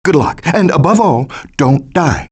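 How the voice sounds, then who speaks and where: A man's voice: on the high side, animated, a little slow, breathy edge. A man voicing a melodramatic, doting father possum in a cartoon video game, with a pompous, theatrical, declamatory manner. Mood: urgent, excited. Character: melodramatic, hammy male possum, doting middle-aged father. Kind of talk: animated video game voice acting.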